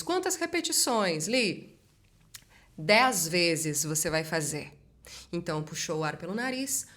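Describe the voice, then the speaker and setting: A woman speech therapist leads a voice exercise lesson, speaking directly to the viewer with brisk, encouraging energy. Her voice sits in a middle pitch, and she coaches in short, firm instructions. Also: sharp tone.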